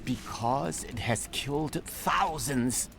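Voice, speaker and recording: An actor playing a secretive, wry wandering jewel seeker in a video game, expressive and evasive. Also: male voice, medium pitch, slow, gravelly. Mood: grave. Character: world-weary male wandering treasure seeker, secretive, wry. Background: music.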